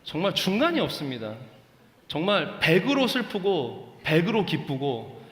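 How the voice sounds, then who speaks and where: A man's voice: a little high, very animated, a little slow, a bit bright. A man in his thirties preaching a sermon as pastor, earnest and pleading, rising to fervent emphasis. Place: church sanctuary. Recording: echoey church hall with long reverb.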